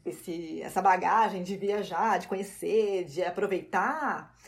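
A woman with a Brazilian Portuguese accent, a guest on a podcast, talking in a lively and agreeable way. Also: fairly low pitch, a little slow. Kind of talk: casual podcast conversation.

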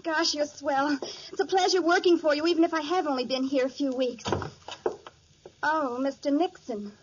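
An actress playing an eager, excitable young female office worker in a 1940s radio drama. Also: sits high, moderate pace, noisy background, lightly acted. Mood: grateful. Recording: dull, muffled old radio recording.

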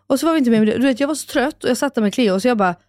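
This is a woman in her thirties with a fairly high voice, chatting on a podcast and acting out what people said as she tells her story. The recording is dry and close to the mic. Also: no room sound. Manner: animated storytelling, acts out quotes, swears casually. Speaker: podcast co-host. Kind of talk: casual chat.

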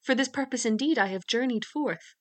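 A simple-hearted young man of fairy tales acted by a woman, lifted high in pitch. He is stubborn, earnest and emphatic, with no sense of fear at all. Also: brisk, a little mellow, natural voice.

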